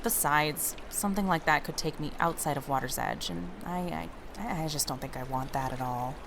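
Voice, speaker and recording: A woman's voice: low voice, moderate pace, gravelly, noisy background. A woman playing a feisty, blunt young woman, a protective best friend with a casual, sassy way of talking, in an audio drama. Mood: self-deprecating, frank.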